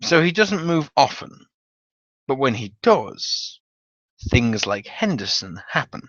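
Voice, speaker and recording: Male narrator, theatrical and wry storytelling, very lively pitch, slightly muffled home recording. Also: takes it slowly. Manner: theatrical, animated, wry delivery with profanity. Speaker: narrator reading a story aloud. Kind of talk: dramatic reading of a humorous tabletop gaming story. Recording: dull, roomy home recording.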